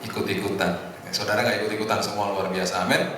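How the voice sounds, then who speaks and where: A middle-aged man preaching informally to a congregation in a conversational, joking way, with hesitant pauses. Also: lowish voice, level tone, a crowd in the background. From Indonesia. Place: large echoing indoor hotel hall. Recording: echoey hall, distant mic, noisy room.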